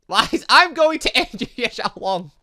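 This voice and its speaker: A haughty, proper young lady from a visual novel, played by a man. The voice is sharp and expressive, with formal, clipped phrasing and a short temper. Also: extremely high pitch, unhurried, voice pushed up, full character voice. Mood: exasperated. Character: prim, haughty, easily exasperated teenage girl.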